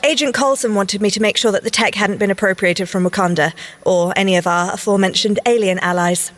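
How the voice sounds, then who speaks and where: A woman playing a brisk, by-the-book young secret agent and scientist in an audio drama, crisp and official with mild exasperation. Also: mid-range voice, lightly acted. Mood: curious, teasing. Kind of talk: audio drama field report.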